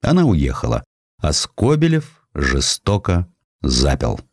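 A man's voice: very deep voice, huge pitch swings, slow pace, breathy edge, dry recording, clean studio sound. A man narrating historical prose as an audiobook reader, in a dramatic scripted style.

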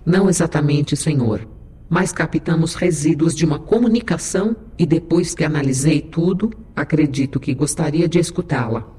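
A woman's voice: deep voice, normal speed, dark tone, natural voice. A woman voicing a smug, teasing ship AI. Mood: polite. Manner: sly, mock-sweet, withholding. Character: sassy female AI first officer, smug and teasing. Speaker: ship's digital assistant.

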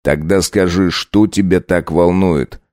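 A man playing a cold, domineering male vampire count who talks in a slow, clipped, hissing way. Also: low voice, fairly even intonation, a little mellow, no echo, studio quality.

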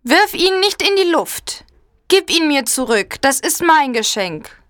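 A man voicing an earnest, tender-hearted little girl in a high childlike voice. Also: very animated, unhurried, fairly bright tone, dry recording, studio quality, full character voice. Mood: upset.

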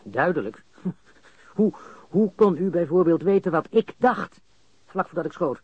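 An actor playing a baffled, cocky and coarse murder suspect in a radio crime drama, stammering and repeating words. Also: male voice, high voice, lively intonation, a little slow, husky, no room sound, full character voice. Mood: suspicious, indignant. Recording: dull, lo-fi radio recording.

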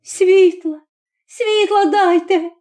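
A woman voicing a desperate young peasant mother, pleading in a high, tearful, strained voice in a storybook reading. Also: fairly even intonation, extremely slow, dark tone, heavily acted. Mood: frantic.

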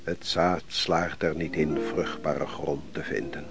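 A man's voice: rumbling low, steady tone, slow pace, creaky, music in the background, full character voice. An actor playing a brooding, defeated nobleman of an ancient kingdom in a radio play, speaking solemnly and with theatrical deliberation. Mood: despairing. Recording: noisy old radio play recording.

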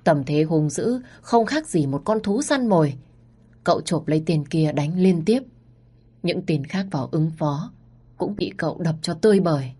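A woman narrating a story in the first person, expressive and acting out the dialogue. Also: low-pitched, normal speed, husky.

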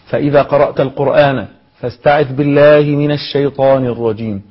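Husky Egyptian man teaching. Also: medium pitch, quick pace. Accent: Egyptian Arabic. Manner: lively lecturing, dictating points, rhetorical questions. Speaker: Quran memorization teacher. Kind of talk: spoken lesson. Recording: dull lo-fi recording.

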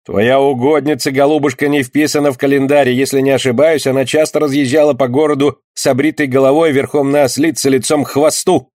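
A man's voice: medium pitch, level tone, fairly quick, hardly any pauses, darkish tone, dry recording, studio quality, pitched above the performer's own voice, natural voice. A man voicing a sly, gossiping male barber who taunts in a sing-song way.

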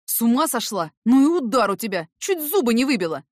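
A cocky young man taunts and presses closer, as a woman reader puts him on. His smirking, self-assured lines stay fairly high and sit dry against the mic. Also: very animated, fairly quick, no room sound.

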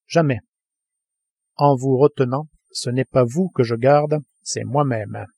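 A man's voice: medium pitch, gravelly, dark tone, slightly rough, dry recording, studio quality, heavily acted. A man reading a cold, stern submarine commander. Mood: grave. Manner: grave, measured. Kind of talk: audiobook reading.

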